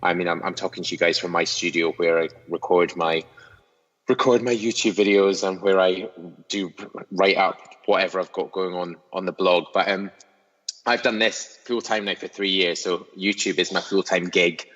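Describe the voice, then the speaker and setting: Low and steady at normal speed, with a fairly bright tone, a young northeast Scottish man from near Inverness talks as a podcast guest. The casual interview happens over a video call from his own studio, and he's self-mocking with frequent restarts. The muffled audio trails off in long reverb.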